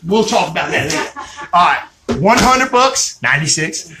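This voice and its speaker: Loud high-voiced guy doing a goofy sales pitch, echoey room, noisy. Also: sing-song, moderate pace. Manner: loud, boisterous, hyped, shouting. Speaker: mock shopping channel pitchman.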